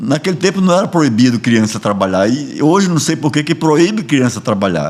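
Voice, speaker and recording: The voice carries vocal fry and very wide pitch swings while its loudness stays very even. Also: man, fairly high pitch for a man, moderate pace. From Amazonas, Brazil (Boca do Acre). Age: 60s. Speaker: pastor. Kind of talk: interview testimony. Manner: halting, with many restarts.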